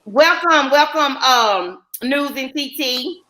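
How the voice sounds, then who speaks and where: A woman with a Southern US accent runs a casual live chat. Her voice is bright and pitched a little high. She talks easily and keeps breaking off to read viewers' comments aloud. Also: lively intonation, slow, low-quality recording. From North Carolina. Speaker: livestream host.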